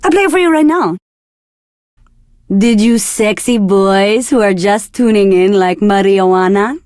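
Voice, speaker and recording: A woman playing a sultry, flirtatious Latina radio DJ from Argentina in a video game, with breathy, teasing delivery. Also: medium pitch, unhurried, a little mellow, dry recording, studio quality, lightly acted. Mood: flirty, playful. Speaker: radio DJ host.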